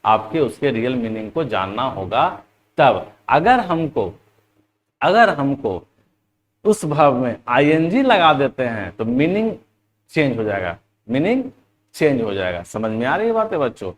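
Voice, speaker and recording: A man teaching English grammar to students, explaining in Hindi, slowly dictating example sentences and often addressing the class as "children". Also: medium pitch, big pitch swings, slight background noise. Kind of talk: classroom lesson.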